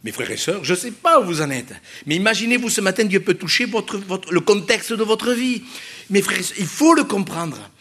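A man with a notably high voice preaches a sermon to his congregation. He talks to them directly and repeats his phrases. He rises to loud, drawn-out exhortations and then drops to soft, quick asides. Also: animated, breathy edge. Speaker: pastor.

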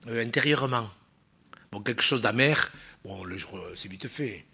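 Male preacher, husky voice, sermon, emphatic, loud stresses and hushed asides, rhetorical questions. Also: medium pitch, normal speed.

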